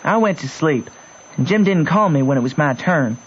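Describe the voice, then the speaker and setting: A man's voice: fairly high pitch, expressive, moderate pace, slightly rough. An actor playing a wry, plain-spoken country boy who narrates his adventures in folksy dialect for a radio drama. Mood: sympathetic. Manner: folksy ungrammatical drawl, matter-of-fact. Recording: muffled old radio recording.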